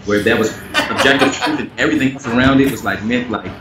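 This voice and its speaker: A man speaking earnestly as an interview guest, getting animated when he makes a point. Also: mid-range voice, quick pace, distant mic. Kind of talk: candid conversational interview. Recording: echoey, muffled, noisy remote audio.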